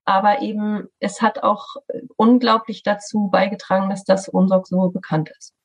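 A middle-aged woman speaks in a slightly husky, breathy voice. She explains in a friendly, thoughtful way and pauses often on fillers and restarts, as a guest in a podcast interview. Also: medium pitch, flat delivery. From Schleswig-Holstein, northern Germany. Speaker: artistic director of a theatre studio, guest.

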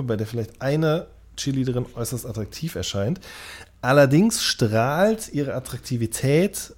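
Casual podcast co-host: man in his thirties, mid-pitched, explanatory and conversational.

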